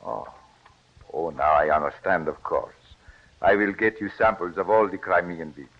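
A courtly nobleman with a deep, low voice, gallant and formal. The sound comes from a muffled old radio recording. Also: normal speed. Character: courtly Russian prince, older nobleman. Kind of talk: 1940s radio acting.

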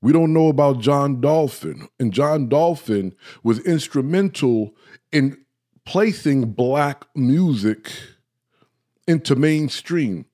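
A man hosting a casual talk show, speaking straight to his audience, often checking in with "right?" and "okay?" and stumbling over his words when he gets excited. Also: medium pitch, slow. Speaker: host. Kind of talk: casual talk, live-stream lecture.

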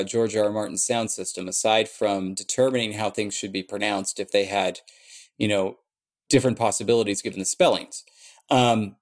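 A man in an interview explaining how he built a language, thinking aloud with many fillers and restarts. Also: on the low side. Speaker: conlang creator answering questions.

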